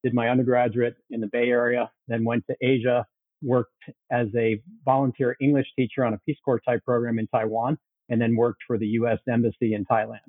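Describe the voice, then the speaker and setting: Man, 60s, from Chicago, quick methodical speech, dry close sound. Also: mid-range voice, dry recording. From Chicago, USA. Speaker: guest cofounder. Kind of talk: storytelling interview answers. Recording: tinny phone-like line, dry.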